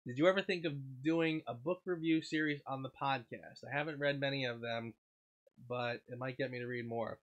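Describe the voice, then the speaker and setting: A man's voice: mid-range voice, fairly quick, highs cut off. Stuffed-up man chatting on a livestream. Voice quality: frequent throat clearing. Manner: rambling, reads and answers viewer chat. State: stuffed up, sniffling. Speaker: livestream host. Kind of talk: casual livestream chat.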